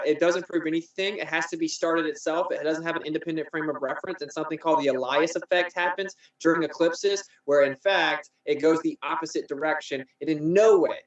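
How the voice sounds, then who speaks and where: Fast, combative man on a distant mic. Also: fairly high pitch. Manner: combative, dismissive, rapid-fire. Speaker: flat-Earth debater. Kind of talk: debate argument. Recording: roomy, distant, dull audio.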